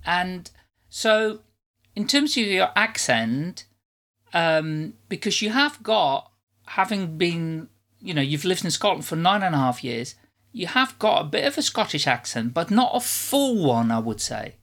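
A woman's voice: lowish voice, lively intonation, a little slow, a bit bright. A woman who is not a native English speaker, interviewing a guest and asking rambling, encouraging questions full of fillers. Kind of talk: conversational interview.

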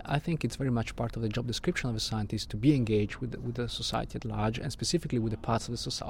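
A man's voice: medium pitch, creaky, darkish tone, slight background noise. A middle-aged man from Switzerland, answering interview questions as a guest astrophysicist and often repeating words as he restarts.

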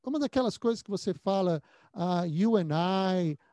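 A man's voice: sits high, lively intonation, moderate pace, warm tone, no echo. A man interviewing a guest in casual conversation, often repeating words while he thinks.

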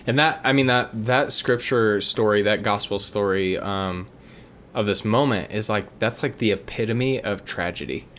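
A man with a very deep voice co-hosts a relaxed conversation about faith. He thinks out loud, hedging with fillers, and a faint hiss sits behind him. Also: normal speed. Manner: reflective, frequent verbal fillers. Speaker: podcast co-host. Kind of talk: casual faith discussion.

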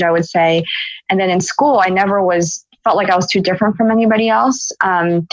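An earnest woman in her forties from Philadelphia shares her story as a podcast guest. She reflects aloud in a lowish voice, often restarting her thoughts. The sound is close and dry, with a slightly muffled, dull quality. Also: dry recording. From Philadelphia, United States. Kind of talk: podcast interview, personal storytelling.

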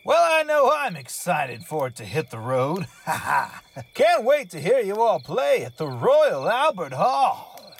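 A man plays a high-voiced, self-important comedy host. His pitch swings theatrically and his pace is unhurried. He is giggly, excitable and easily flustered. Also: creaky, husky, heavily acted. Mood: smug, self-important. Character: excitable, self-important, thin-skinned male podcast host. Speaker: podcast host. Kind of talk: scripted comedy hosting in character.

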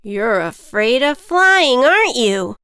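A woman's voice: a little high, very animated, slow pace, pushed and bright, smooth, no echo, studio quality, voice pushed up, heavily acted. A woman doing a cheeky, pushy little ant. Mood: needling. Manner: sassy, needling, persuasive.

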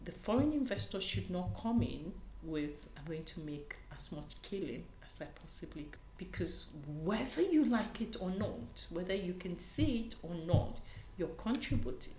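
At a moderate pace with hardly any pauses, a Nigerian woman on a conference panel talks earnestly in an interview, groping for words and frequently starting over. Her fairly low voice is animated and a little mellow, recorded in an echoey room with faint noise.

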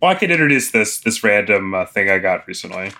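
A young man co-hosting a casual podcast, dry and deadpan, precise about small details. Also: fairly low pitch, fast talker. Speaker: podcast co-host. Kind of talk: casual chat.

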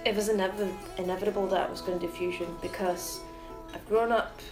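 A woman's voice: medium pitch, steady tone, brisk, over music. Reflective woman musician, echoey room. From Sweden, raised in Norway. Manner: thoughtful, explaining. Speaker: folk musician, mandola player. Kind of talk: casual interview talk.

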